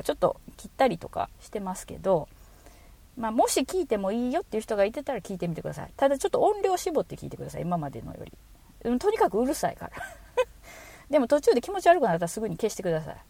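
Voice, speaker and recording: A woman's voice: medium pitch, creaky. Giggly Kansai woman chatting solo. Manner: chatty, giggles often, trails off into soft asides. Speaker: podcast host. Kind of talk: casual solo podcast chat.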